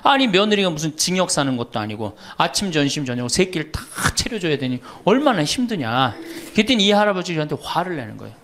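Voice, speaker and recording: A man's voice: a little high, fast. A middle-aged man, a Catholic priest, giving a humorous lecture, telling stories and teasing the audience with questions. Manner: animated storyteller, teasing questions to the audience, laughs often.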